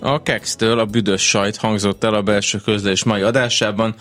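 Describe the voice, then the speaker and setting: Male radio host, monotone delivery, builds long elaborate questions. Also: fairly low pitch, faint music behind. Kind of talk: radio interview. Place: radio studio.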